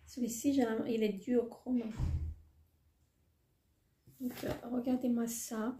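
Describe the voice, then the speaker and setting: A woman's voice: fairly high pitch, flat delivery, takes it slowly, warm tone, slight background noise. Woman vlogger, casual haul chat, gushing with lots of fillers, in a roomy echo. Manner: hesitant, many fillers, gushing. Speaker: beauty vlogger.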